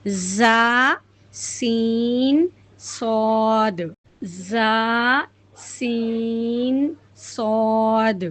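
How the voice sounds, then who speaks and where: A woman teaching Quranic letter pronunciation in a casual spoken lesson, patiently demonstrating each sound slowly and repeatedly, with a South Asian Urdu accent. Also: medium pitch. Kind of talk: casual spoken lesson with slow drawn-out recitation.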